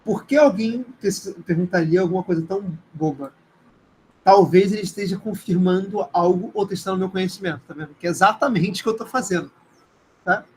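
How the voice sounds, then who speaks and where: A man's voice: sits high, brisk, slight background noise, low-quality recording. A man with a Brazilian accent, a native Portuguese speaker, giving an informal live lecture in a hesitant, conversational way with frequent check-in questions. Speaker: teacher.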